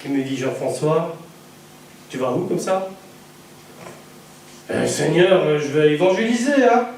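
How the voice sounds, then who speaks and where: This sermon comes from a male evangelist with a high voice and a darkish tone, speaking a little slowly with lively intonation. He tells his own story to the congregation, laughing and performing voices, while the very echoey church hall, his distance from the mic, and faint background noise shape the sound.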